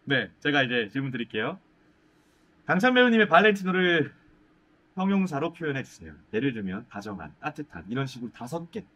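A young man from Ulsan, a musical actor, chatting quickly and animatedly in a casual Q&A. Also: medium pitch. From Ulsan, South Korea. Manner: quick, animated, chatty with self-deprecating laughs. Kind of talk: casual Q&A chat. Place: indoor stage set, seated.

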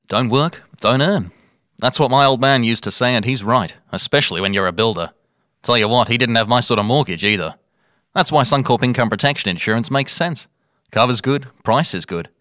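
A man's voice: medium pitch, a bit bright, dry recording, studio quality, lightly acted. Man as a blokey, plain-talking builder. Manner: matter-of-fact, blokey. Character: plain-talking working Australian male builder. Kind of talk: conversational insurance commercial.

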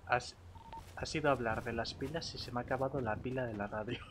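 A man's voice: mid-range voice, fast talker, a bit bright. A man with a Castilian Spanish accent chatting casually in character during a game roleplay session. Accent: Spain Spanish. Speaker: gaming roleplayer and streamer. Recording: noisy game audio with ambient sounds.

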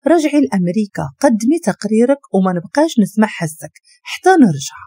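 A woman's voice: mid-range voice, big pitch swings, a little fast, mellow, husky, no echo, clean studio sound. A woman voicing a stern, cold man under arrest, with a Moroccan accent and a curt, commanding manner.

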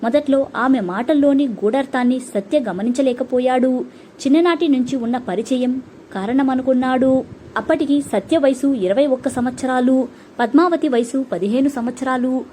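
A woman narrating an audiobook story in a calm, measured way. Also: high-pitched, a little hiss or hum.

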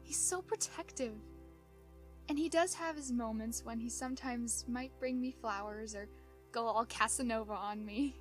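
A woman's voice: on the high side, moderate pace, faint music behind, natural voice. A woman voicing an exasperated but adoring pony wife in a confiding, dramatic way for a fan fiction audio drama. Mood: tender, smitten.

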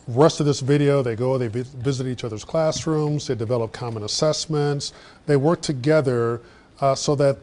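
A middle-aged man leading a workshop in a meeting room, telling stories in a lively, conversational way. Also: mid-range voice. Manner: animated storyteller, gestures widely. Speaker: workshop presenter. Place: meeting room with projector screen.

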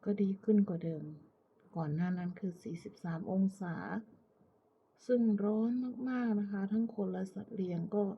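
A woman from Thailand chatting casually and politely to viewers as a pet owner, in an unhurried, coaxing manner. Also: mid-range voice, slight background noise. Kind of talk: casual chat to viewers while watching her pet cat. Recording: muffled, lo-fi, phone-like narrow sound.

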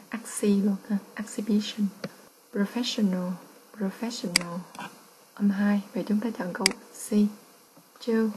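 A woman's voice: mid-range voice, warm tone, slight background noise, poor audio. A woman English teacher with a Vietnamese accent, patiently explaining test answers and repeating each word.

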